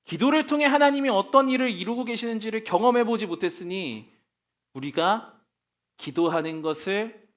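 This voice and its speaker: A man's voice: high voice, expressive, moderate pace, fairly bright tone. Guy pastor preaching in church, voice goes up and down a lot, chatty, keeps asking the room questions. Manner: conversational preaching with rhetorical questions. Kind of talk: sermon.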